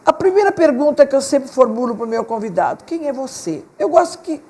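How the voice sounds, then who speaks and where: A woman's voice: sits high, sing-song, a little fast, warm tone. A woman hosting a local TV talk show, effusive and complimentary as she introduces and questions her guest. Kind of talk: warm effusive TV interview.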